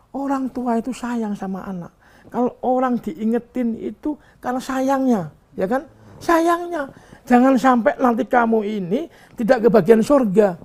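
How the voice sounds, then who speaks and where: An older man who owns a bus company, speaking in a candid interview and lecturing with rhetorical questions and a scolding tone. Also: extremely high pitch. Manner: emphatic, preachy, scolding tone with many rhetorical questions.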